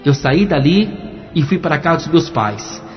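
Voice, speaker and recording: A man, a pastor, telling his testimony in a dramatic preaching style that moves between hushed and emphatic. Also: a little high, lively intonation, moderate pace. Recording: echoey, dull, music underneath.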